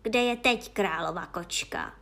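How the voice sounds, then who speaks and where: A woman voicing a stout, strict male judge who thunders and shouts at the accused, in a children's story reading. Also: mid-range voice, vocal fry. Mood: hřímavý, rozhněvaný. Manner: hřímá, křičí na obžalovaného. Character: tlustý přísný soudce, hřmotný muž.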